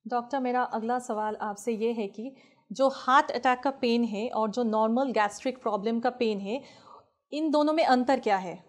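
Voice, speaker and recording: A woman's voice: fairly high pitch, moderate pace. A young woman anchoring a TV health talk show, formally introducing the guest and asking questions in a studio. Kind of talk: scripted show hosting. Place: TV studio set.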